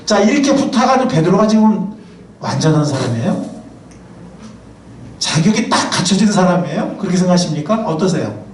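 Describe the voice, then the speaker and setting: Animated preaching man, roomy church sound. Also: high-pitched, fairly quick, a little hiss or hum. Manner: asks the congregation questions; lively, chatty preaching with asides. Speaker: pastor and professor. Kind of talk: sermon. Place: church sanctuary. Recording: roomy, distant mic, faint ambience.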